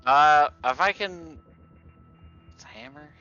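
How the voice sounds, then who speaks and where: A man's voice: a little high, slow pace, sharp tone, smooth, muffled recording, faint music behind. A man playing a tabletop roleplaying game, chatting casually in a wry, understated way.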